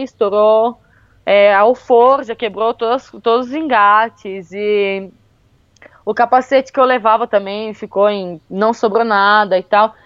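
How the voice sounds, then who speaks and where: A woman tells a travel story in a casual, chatty way, full of fillers. Her voice sits a little high. The recording is close and dry, with a slightly dull, muffled tone. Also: no room sound. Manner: lively, with many fillers like "tipo" and "meu". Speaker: guest telling a travel story.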